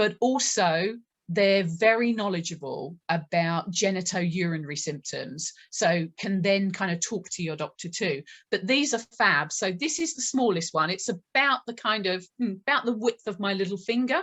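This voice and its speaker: In a British accent, a woman speaks at a moderate pace and medium pitch with lively intonation. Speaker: psychotherapist and menopause expert. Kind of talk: expert interview explaining health topics.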